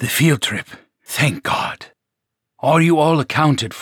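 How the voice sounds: A raspy, wheezy put-on character voice moves at a fairly slow pace with ordinary pitch variation, recorded dry and close with no echo. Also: man.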